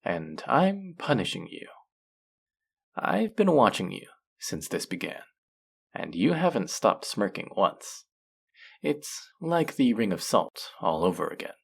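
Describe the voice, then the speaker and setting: A man playing a smug, dominant faerie trickster in an intimate roleplay audio drama, teasing and mock-scolding in a sultry, drawn-out way. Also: on the low side, sing-song, creaky, breathy edge, heavily acted. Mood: smug, commanding.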